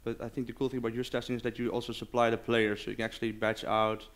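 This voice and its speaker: A man speaking as a conference presenter, answering audience questions informally and haltingly as he searches for words. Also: medium pitch, level tone. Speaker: conference speaker, game developer. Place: live conference session.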